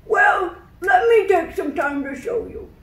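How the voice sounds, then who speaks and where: A woman voicing a kindly old grandpa puppet in a children's show, teaching in a deliberate way. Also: extremely high pitch, lively intonation. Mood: patient, earnest. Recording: echoey room.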